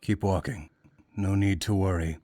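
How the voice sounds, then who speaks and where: An actor playing a calm, curt guide in a visual novel game, speaking in a level, measured way. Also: male voice, sits low, no echo. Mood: calm, stern. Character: calm, curt male guide, stern and unflappable.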